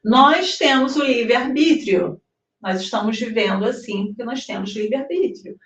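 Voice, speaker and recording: A woman from Brazil, giving an animated spiritist devotional talk. She often ends phrases with a questioning tag and acts out little dialogues. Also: fairly high pitch, normal speed, a little hiss or hum. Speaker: spiritist speaker. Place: hall in New Jersey. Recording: roomy, mic at a distance.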